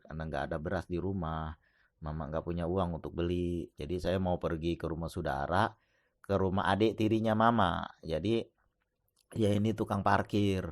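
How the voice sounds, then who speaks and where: A man retelling the words of a poor, quiet and polite teenage boy in soft, hesitant replies. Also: low voice, dry recording, studio quality.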